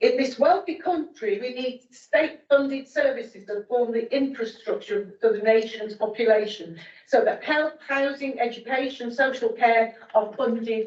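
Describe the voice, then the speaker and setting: Her voice varies in pitch in an ordinary way. This woman's pitch is high. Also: moderate pace. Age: 70s. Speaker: public speaker at council meeting, union activist. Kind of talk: public question statement at council meeting. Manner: impassioned.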